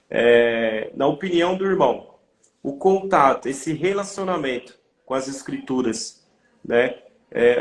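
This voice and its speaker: A man hosting a religious interview, answering with short devout exclamations before asking his question. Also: mid-range voice. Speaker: interview host. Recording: roomy echo.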